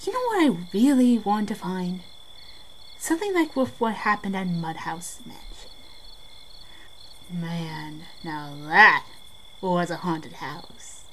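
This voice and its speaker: A brash young woman, played by an amateur actress, tells spooky local tales in an audio drama. Her voice sits a little low, her delivery is casual yet theatrical, and faint cricket noise runs behind her. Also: expressive, slow, long pauses, a bit bright, poor audio. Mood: indignant amused. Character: brash teasing young local woman swapping childhood haunted-house memories. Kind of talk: amateur audio drama, scripted ghost storytelling.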